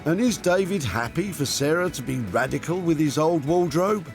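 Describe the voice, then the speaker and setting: A man's voice: on the high side, expressive, normal speed, soft background music. A man narrating a TV show in a playful, teasing scripted voice-over.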